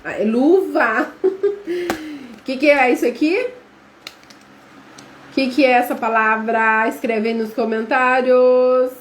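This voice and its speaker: In an echoey room with faint noise in the background, a Brazilian woman with a high-pitched voice teaches a live class online. She speaks slowly with frequent pauses, in a Brazilian Portuguese accent, chatting away, calling viewers "gente," and quizzing them.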